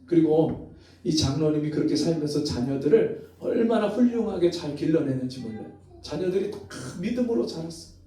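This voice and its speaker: A man's voice: fairly high pitch, dark tone. A male pastor telling a story in an earnest, dramatic sermon. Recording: very echoey hall, mic far off.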